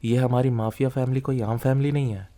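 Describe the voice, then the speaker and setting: A man's voice: medium pitch, fairly even intonation, brisk, warm tone, natural voice. A man playing a possessive, dominant mafia boss boyfriend in an intimate ASMR roleplay, teasing and commanding, mixing in English phrases. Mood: earnest, protective.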